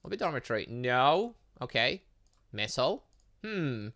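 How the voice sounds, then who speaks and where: A man hosts a gaming let's play in a bright, forceful voice. His pitch moves about a lot as he rambles through his thoughts and switches between reading text aloud and commenting on it. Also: big pitch swings, unhurried. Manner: rambling, thinking out loud. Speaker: gaming channel host.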